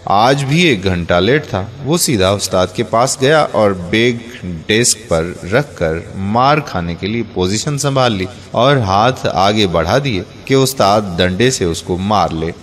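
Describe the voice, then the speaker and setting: A man's voice: lowish voice, lively intonation, hardly any pauses, a bit bright, slight background noise. A man earnestly narrating a heartfelt first-person moral story, ending in pleading appeals to his listeners. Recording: long reverb on the voice.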